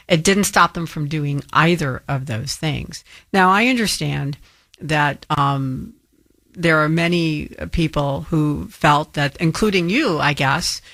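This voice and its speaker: A woman's voice: lowish voice, a bit bright, no room sound. A woman filling in as a talk radio host, firmly rebutting a caller with frequent ums. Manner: firm and argumentative, with frequent ums.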